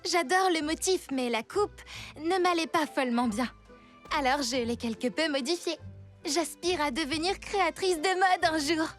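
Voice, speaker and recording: A woman's voice: sits high, moderate pace, soft background music, natural voice. A woman voicing a polite, keen young girl with a composed manner in a children's cartoon. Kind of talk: animated children's cartoon dub.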